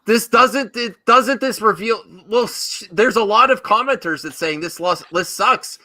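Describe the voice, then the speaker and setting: A man's voice: high voice, a little slow, sharp tone, dry recording. A man hosting a casual panel discussion, insistently repeating himself to get his point across. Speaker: host of a movie discussion show.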